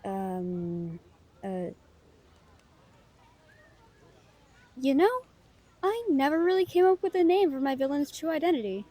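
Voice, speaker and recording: A woman's voice: high voice, sing-song, moderate pace, warm tone. A woman playing a playful, self-doubting young novelist, chatty and teasing, in an intimate audio roleplay addressed to a friend. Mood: musing, casual.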